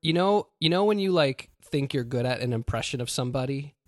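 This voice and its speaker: A man's voice: mid-range voice, lively intonation, brisk, dry recording, clean studio sound. A man hosting a podcast in casual chat, self-deprecating and laughing often. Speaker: podcast host.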